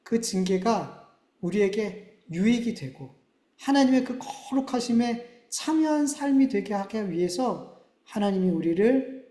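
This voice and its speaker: A man's voice: sits high, warm tone. A man in his thirties preaching a sermon as pastor, earnest and conversational, rising to dramatic emphasis. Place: church sanctuary. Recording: echoey church room.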